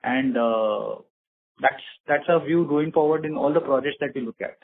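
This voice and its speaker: A man with an Indian accent answers investor questions as a company executive. His voice is a little rough at a middling pitch, and his delivery is formal and measured. It comes through a narrow, thin phone connection. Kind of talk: earnings call question and answer. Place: conference call. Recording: muffled narrowband phone line, slightly rough.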